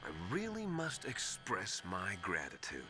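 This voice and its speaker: Video game villain, smug schemer: slow, deliberate, menacing, with wildly animated intonation. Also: male voice, fairly low pitch. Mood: smug gloating. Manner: mocking, theatrical, deliberate. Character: smug, menacing male villain gloating over his scheme. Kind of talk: dramatic video game voice acting. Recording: loud music behind the voice.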